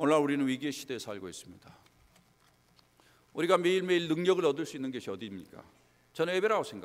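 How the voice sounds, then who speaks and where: Racing along at a very fast pace, a man with a fairly high pitch swings very widely in pitch and greatly in loudness, with long, frequent pauses. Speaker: pastor. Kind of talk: sermon. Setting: church. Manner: animated.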